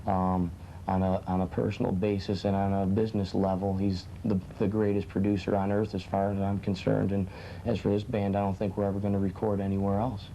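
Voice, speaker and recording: Musician, a man with a dark, gravelly, flat voice, muffled and hissy on a worn tape copy. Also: sits low, fairly quick. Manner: relaxed, loose, many fillers. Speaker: band member. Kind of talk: casual interview.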